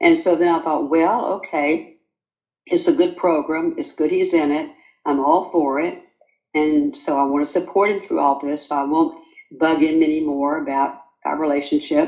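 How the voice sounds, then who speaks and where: A woman speaks at a moderate pace in a Southern US accent. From US South. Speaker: astronaut's wife. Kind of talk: interview testimony.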